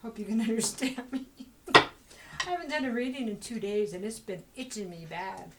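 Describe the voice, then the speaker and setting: Woman tarot reader, casual and rambling, quick delivery, mid pitch, faint background hiss. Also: poor audio. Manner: fast, rambling, conversational with many fillers. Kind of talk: casual tarot reading monologue.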